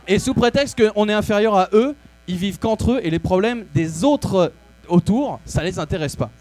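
A man's voice: high-pitched, expressive, moderate pace, darkish tone. A man hosting a comedy show, delivering a crude, rambling, mock-serious monologue. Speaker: comedy host. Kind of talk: comic monologue.

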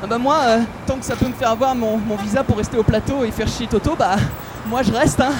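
A man voicing a brash, chatty woman met on the street, loud and dismissive. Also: extremely high pitch, fairly even intonation, a little fast, noisy background, voice pushed up.

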